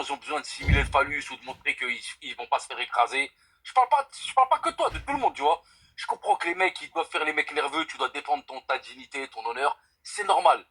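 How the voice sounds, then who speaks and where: A man's voice: medium pitch, expressive, fast talker, a bit bright, husky, poor audio. A young man from France calling in to a live stream, speaking earnestly and emphatically and swearing by God to stress his points. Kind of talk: casual debate call.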